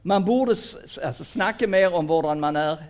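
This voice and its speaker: A retired Swedish man in his sixties, with a high-sitting voice, lectures an audience on career guidance. He's animated and playful, slipping Danish words into his Swedish.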